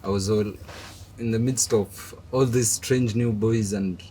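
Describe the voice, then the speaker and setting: A middle-aged man from Kenya answers questions in a casual interview, pausing often and speaking softly. His voice sits fairly low, and there is clear background noise behind him. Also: fairly even intonation, rough recording. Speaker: guest.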